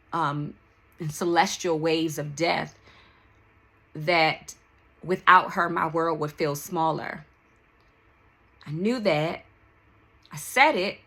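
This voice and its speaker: A woman with a D.C. records a personal podcast monologue. Her voice is very bright and forward, sitting a little low. She speaks slowly and candidly, breaking her reflective sentences into short, halting pieces. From Washington, D.C., United States. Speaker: podcast host.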